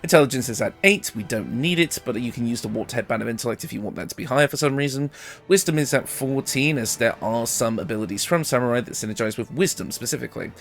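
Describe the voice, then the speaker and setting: A man's voice: mid-range voice, quick pace, faint music behind. A man giving a casual, conversational video game guide commentary, explaining things informally, his voice a bit ill and recovering from being lost. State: ill, voice recovering after losing it. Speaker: gaming video creator presenting a character build guide.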